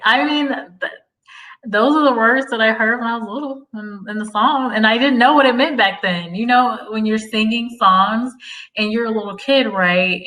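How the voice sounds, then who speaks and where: A chatty woman hosts a casual livestream and works through viewer comments while drifting onto tangents. Her voice is bright and clear. She sits slightly back from the microphone. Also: mid-range voice, far from the mic, low-quality recording. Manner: chatty, goes off on tangents, laughs often. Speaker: host of a career-advice livestream.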